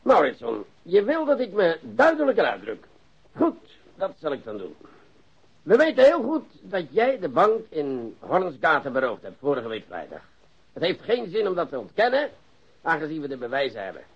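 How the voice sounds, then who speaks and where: An actor playing a falsely polite, relentless police interrogator in a radio play, mock-courteous, with theatrical, drawn-out emphasis. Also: male voice, on the high side, wildly swooping pitch, vocal fry, breathy edge, heavily acted. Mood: stern, condescending. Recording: dull lo-fi radio recording.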